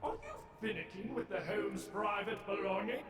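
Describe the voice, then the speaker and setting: Courteous butler robot for a game, high and sing-song, with big echo and music underneath. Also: male voice, lively intonation, normal speed. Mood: courtly. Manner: formal, courteous, fussy about duty. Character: prim polite male butler robot. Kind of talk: video game character dialogue. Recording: echoey and distant, game music behind.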